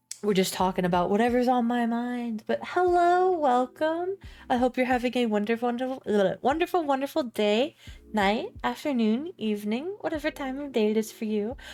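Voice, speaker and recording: Someone speaks at a moderate pace with lively intonation. Music sits in the background. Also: woman, high pitch for a woman. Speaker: streamer. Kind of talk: casual chat. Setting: live stream. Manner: animated.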